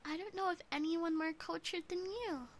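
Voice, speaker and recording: A woman voicing a teasing, obsessive yandere demon sister in an ASMR roleplay, breathy and often whispering, gently doting and possessive. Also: extremely high pitch, normal speed, a little hiss or hum. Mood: adoring.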